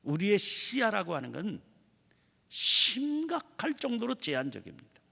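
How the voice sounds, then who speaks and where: A man's voice: high-pitched, wildly swooping pitch, unhurried, creaky, bright, forceful tone, breathy edge, big-room sound. A man preaching an early morning prayer sermon in a church, acting out imagined prayers as he teaches. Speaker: pastor. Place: church sanctuary.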